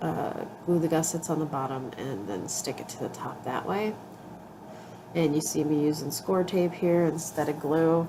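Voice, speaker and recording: Amid audible room echo, a woman with a very deep, low pitch speaks at a moderate pace with ordinary pitch variation and long, frequent pauses. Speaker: scrapbooking crafter. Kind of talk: tutorial. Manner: halting.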